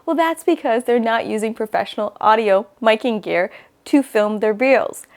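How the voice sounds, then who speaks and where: Woman, slightly high pitch, tutorial narration, instructive, conversational, educator host. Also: moderate pace.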